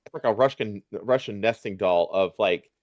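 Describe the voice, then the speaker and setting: A man co-hosting a livestream, chatting casually in an easygoing, halting way. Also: lowish voice. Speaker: livestream co-host. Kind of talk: casual chat.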